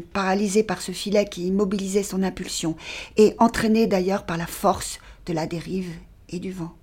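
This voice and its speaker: A woman performing a dramatic literary reading of a short story, measured and sinking to a near-whisper in grim passages. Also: mid-range voice, darkish tone, husky.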